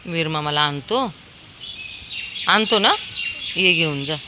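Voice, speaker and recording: A woman's voice: deep voice, expressive, slow pace, background noise. A woman chatting casually while walking a dog outdoors on a sunny street, calling out in a coaxing, sing-song way to a toddler and the dogs. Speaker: dog owner vlogger.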